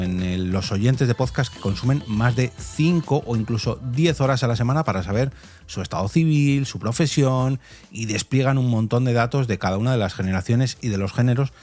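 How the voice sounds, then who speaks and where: A man's voice: medium pitch, darkish tone. Spanish man hosting a podcast, music behind. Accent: Spanish from Spain. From Spain. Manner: explanatory, addresses listeners directly with rhetorical questions. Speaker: podcast host. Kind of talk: conversational podcast commentary on survey results.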